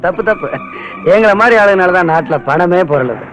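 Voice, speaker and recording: A sneering gangster. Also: male voice, high-pitched, expressive, brisk, fairly bright tone. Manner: sneering, laughing, lecturing. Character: mocking smug male gangster, middle-aged. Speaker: gangster holding a minister's daughter. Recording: dull lo-fi film soundtrack with music.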